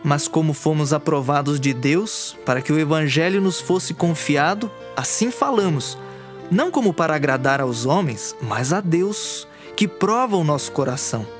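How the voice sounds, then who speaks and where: Background music plays beneath this man as he reads an audio Bible script in an earnest, declamatory manner. He has a Brazilian accent and a slightly high, lively voice, moving at a moderate pace.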